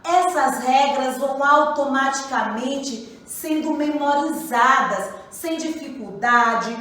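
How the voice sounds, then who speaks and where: A woman's voice: high-pitched, a bit bright, very echoey, distant mic, low-quality recording. A woman teaching a grammar lesson to children, patient, often checking in with her pupils. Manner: slow, patient, repeats questions to pupils. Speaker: primary school teacher.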